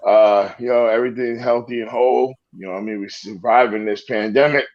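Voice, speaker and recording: A man's voice: mid-range voice, steady tone, a little fast, muffled recording. A man who is a wrestler, chatting as a podcast guest in a laid-back, slangy way. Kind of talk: casual chat.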